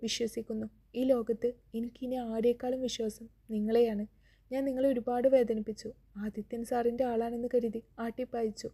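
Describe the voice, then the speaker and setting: A woman's voice: a little high, flat delivery, brisk, mellow. A woman reading the lines of an emotional young woman who raises a child as her own, in an audio romance story. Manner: tearful and earnest. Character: young woman, devoted foster mother, emotional.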